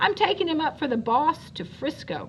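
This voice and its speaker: Putting on a character voice, a woman speaks at a high pitch and moderate pace with lively intonation, clear background noise behind her. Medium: read story. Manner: grumbling, coarse.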